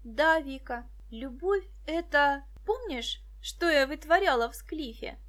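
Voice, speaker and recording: An excitable, dreamy teenage girl who fusses and talks in an eager, breathless rush, as a woman reader puts her on. Her voice sits very high, a storybook girl lifted above the reader's own tone. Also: a little slow. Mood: excited.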